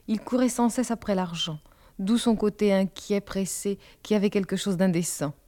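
A woman narrating a novel in a measured, expressive reading. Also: medium pitch. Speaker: audiobook reader. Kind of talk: scripted literary narration.

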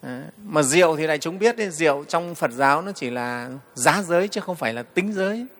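A man, a Buddhist monk giving a storytelling dharma talk to the assembly, often pausing on "đấy". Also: on the high side, lively intonation, fairly bright tone, long reverb tail. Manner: storytelling, frequent "đấy" fillers, addresses the assembly.

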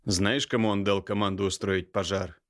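A seething older brother in an audiobook, voiced by a male reader close to his own low voice. He growls slow, menacing threats with open contempt. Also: flat delivery, lightly acted. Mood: furious, menacing. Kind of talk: audiobook character voice.

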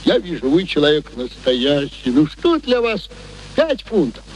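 A man's voice: a little high, very animated, unhurried, low-quality recording. An actor in a radio play playing a sly, wheedling working-class father, theatrical and ingratiating in his manner. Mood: frank haggling. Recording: old radio recording with background noise.

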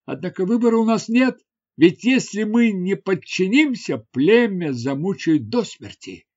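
A frightened tribal warrior, voiced by a male audiobook reader, lays out his people's grim fate in a resigned, pleading way. His pitch climbs and falls in wide, lively swings, and the words come slowly. The recording sounds dull and lo-fi.

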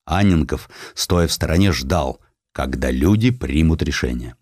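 A man narrating historical prose as an audiobook, with measured, dramatic storytelling. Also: rumbling low, animated, a little mellow, dry recording, clean studio sound.

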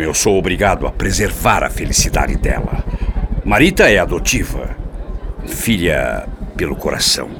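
An actor playing a scheming middle-aged Brazilian father who feigns tender concern, smooth-talking and solemn in radio soap opera style. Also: on the low side. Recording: noisy, hissy radio drama recording.

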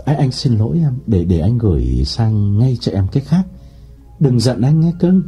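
Man voicing a smooth-talking cheating lover. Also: mid-range voice, sing-song, moderate pace, dark tone, soft background music. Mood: eager. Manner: eager, stammering sweet-talk. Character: smooth-talking unfaithful man, eager and flustered.

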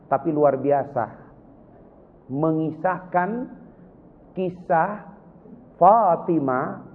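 A man preaching a sermon from Sulawesi, lively, with sudden high emotional cries. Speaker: Islamic preacher. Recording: tinny lo-fi with long hall reverb.

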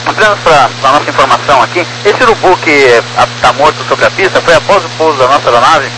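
A man's voice: a little high, fast. A Brazilian man, an airline pilot, speaking in brief readbacks over aircraft radio. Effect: cockpit radio transmission. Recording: noisy humming air-band radio.

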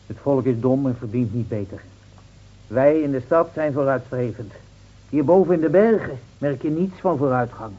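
In a muffled old radio recording, an actor in a Dutch radio drama plays a scornful, officious policeman from the city, lecturing and brusque. His voice is mid-range, mellow and lightly acted, at a normal speed.

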